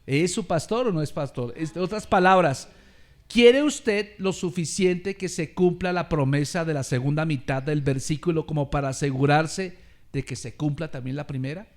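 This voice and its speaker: A man's voice: fairly high pitch, normal speed. A man preaching a sermon, calling on listeners to repeat words after him and addressing them as beloved brother. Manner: preaching with rising volume and call-and-response. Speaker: pastor.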